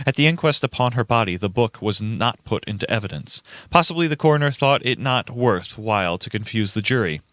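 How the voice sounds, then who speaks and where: Guy narrating a radio play script, crisp clear voice, deliberate, super dry recording. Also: medium pitch, lively intonation, fairly bright tone, dry recording. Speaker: reader, narrator.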